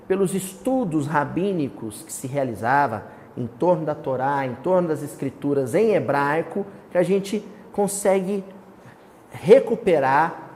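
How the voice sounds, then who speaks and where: A Brazilian man leads a study group with a lively, swinging delivery, and his voice trails off into a long hall reverb. He keeps asking his listeners questions before answering them himself, and he recites quoted verses with a dramatic exclamation. A faint hiss sits under the recording. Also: on the high side. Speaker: Bible study teacher. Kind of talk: teaching a small study group.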